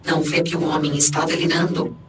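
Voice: mid-range voice, little pitch movement, a little fast, background noise, natural voice. An actor playing a stern, formal starship crew member in an audio drama. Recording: echoey, distant, music behind.

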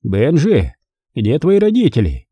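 A man's voice: mid-range voice, huge pitch swings, a little slow, dark tone, husky, no room sound, voice pushed up, heavily acted. A male reader voicing a tall, brusque uncle who speaks curtly and decisively. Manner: curt and decisive.

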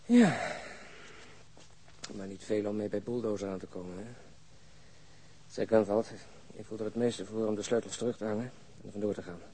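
An actor playing a low-key, wary detective in a radio drama, speaking in a subdued, matter-of-fact mutter. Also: male voice, fairly even intonation, moderate pace, long pauses, warm tone, slight background noise, close to an everyday voice. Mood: uneasy, reluctant. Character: low-key, wary male police detective searching a flat.

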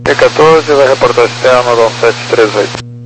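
A man's voice: mid-range voice, moderate pace, a bit bright. A man speaking as a pilot in brief, routine, clipped readbacks over an aviation radio transmission. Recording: very noisy cockpit radio transmission.

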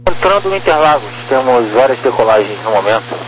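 A man's voice: medium pitch, sing-song, a little fast. A man working as an air traffic controller, speaking in clipped radio phraseology over a two-way radio transmission. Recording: hissy noisy radio channel.

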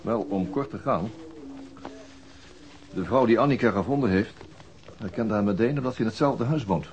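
An actor playing a methodical, sober police detective in a radio drama. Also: male voice, on the low side, normal speed, dull audio, background noise, lightly acted. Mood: matter-of-fact.

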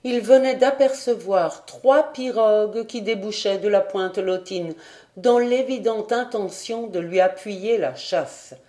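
Mellow-voiced woman reading a classic novel. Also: mid-range voice, unhurried. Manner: expressive, dramatic reading. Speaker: audiobook reader. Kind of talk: literary audiobook narration.

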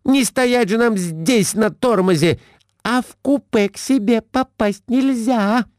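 A man voicing a shrill, scolding middle-aged wife who nags her husband and throws in broken French. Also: very animated, a little slow, a little mellow, no room sound, clean studio sound.

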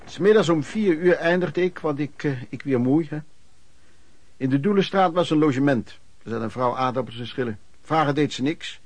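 A man's voice: fairly high pitch, normal speed, darkish tone, dry recording, lightly acted. Dry-sounding male storyteller played by an actor. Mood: wry. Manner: colloquial, matter-of-fact storytelling. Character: plain-spoken male pedlar recounting his wanderings, wry. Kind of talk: dramatised first-person narration.

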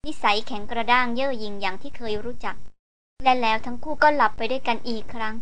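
A woman narrating a novel as an audiobook, in a steady storytelling manner. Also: on the high side, fast. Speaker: audiobook reader.

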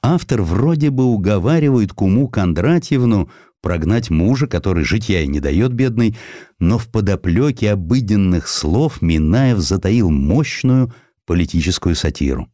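A man narrating a historical literary essay from a script in an expressive, theatrical manner. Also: lowish voice, moderate pace, dry recording, clean studio sound. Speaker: audiobook narrator.

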